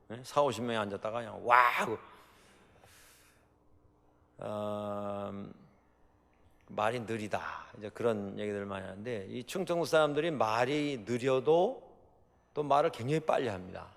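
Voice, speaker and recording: A middle-aged pastor from Chungcheong in South Korea preaches with a mid-range, creaky voice that sounds pushed and bright. His sermon leans on stories, many fillers and rhetorical questions, and the sanctuary lends it hall reverb.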